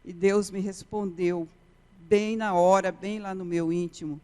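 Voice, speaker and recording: Woman, missionary testimony, unhurried, smooth clear voice, long church reverb. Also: fairly low pitch, fairly even intonation, mellow. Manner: earnest storytelling, repeats key phrases. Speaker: missionary preacher. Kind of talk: testimony sermon. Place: church sanctuary.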